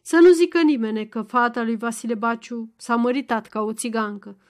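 A woman voicing a stubborn, crafty old peasant father-in-law who speaks in a loud, gruff, mocking way. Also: a little high, lightly acted. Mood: mocking, firm.

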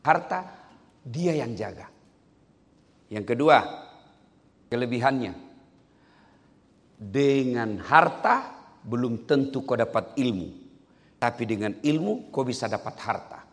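A man from Indonesia giving a joking sermon, animated and breaking into loud, high bursts. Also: slow, pauses often, long reverb tail. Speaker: preacher. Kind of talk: comedic sermon.

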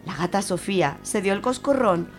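A woman's voice: medium pitch, lively intonation, moderate pace, faint music behind. A woman with an accent from Spain, chatting casually and reading verse as a radio contributor.

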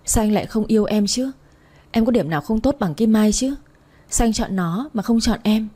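A woman's voice: on the high side, expressive, moderate pace, warm tone, breathy edge. A woman voicing a drunk, heartbroken young woman who slurs and pleads. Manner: slurred, pleading.

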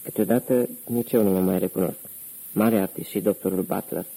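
A man reading an audiobook, voicing a calm, commanding man who poses as a mob boss and gives curt orders. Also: low voice, vocal fry, husky, heavily acted, poor audio.

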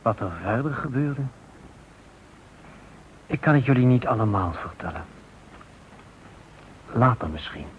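A man narrating a radio drama in a grave, deliberate storytelling manner with pauses, his voice husky. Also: mid-range voice, animated, slight background noise. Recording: narrow, lo-fi old radio sound.

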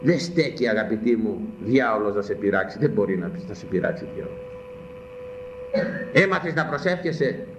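Emphatic preacher in an echoey room. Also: male voice, medium pitch, a little hiss or hum. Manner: emphatic, fires repeated rhetorical questions at listeners. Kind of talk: sermon. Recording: echoey muffled room recording with faint ambience.

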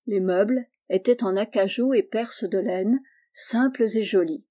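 A woman reading a classic novel aloud in a calm, measured way. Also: mid-range voice. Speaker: audiobook reader. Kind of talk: scripted narration of a classic novel.

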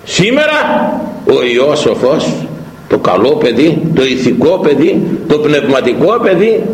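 Emphatic preaching man, lively pitch. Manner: emphatic, rhetorical questions, swings between loud and low. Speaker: priest. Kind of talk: sermon. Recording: roomy echo, faint noise.

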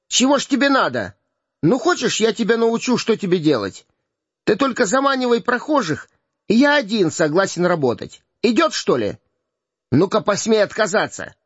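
A man's voice: high voice, slightly rough, no room sound, voice pushed up, heavily acted. A man voicing a sly, bossy beggar boy who wheedles and bullies by turns. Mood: impatient. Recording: dull, dry lo-fi recording.

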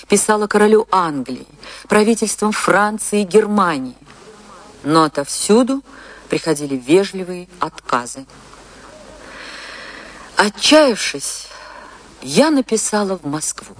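An actress playing a famous dancer who recalls her tragic life in a measured, impassioned and sorrowful radio monologue with dramatic pauses. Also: on the low side. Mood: despairing. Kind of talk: dramatic first-person radio play monologue.

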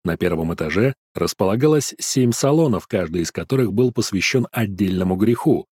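A man narrates an audiobook with a low, steady voice. His reading is even and measured. The sound is close and dry, with no room echo. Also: breathy edge. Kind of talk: scripted first-person fantasy narration.

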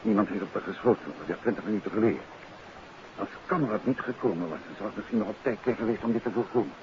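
An actor playing a composed, inquisitive gentleman detective in a 1950s Dutch radio drama, polite but firm. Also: lowish voice, quick pace, natural voice. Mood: grave, decisive. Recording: muffled, noisy 1959 radio recording.

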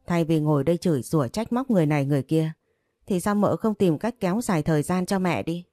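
Woman playing a weary coaxing husband, storybook figure, reasoning tone, low warm voice. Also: fast, dry recording, soft background music, natural voice. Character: weary husband soothing his wife, pleading.

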